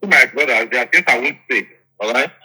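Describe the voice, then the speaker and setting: In an interview, a politician with a Nigerian accent tells his account briskly in a medium-pitched voice with lively intonation, a sharp tone and a breathy edge. He repeats phrases emphatically and checks that his listener follows. The audio quality is poor.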